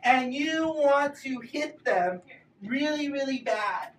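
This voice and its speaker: A fairly high-voiced woman leads a children's Bible class with playful, coaxing energy. She is heard from a distance in a roomy, echoing space with a faint hiss underneath. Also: expressive, slow. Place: large echoey room with a group of children. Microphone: camera at a distance. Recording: roomy echo, recorded from afar.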